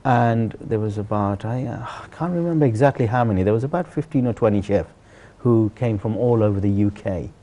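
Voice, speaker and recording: Mellow, fairly low-voiced man being interviewed. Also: fairly quick, few pauses. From Sylhet, Bangladesh. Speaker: interview guest, celebrity chef. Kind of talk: conversational personal storytelling in an interview.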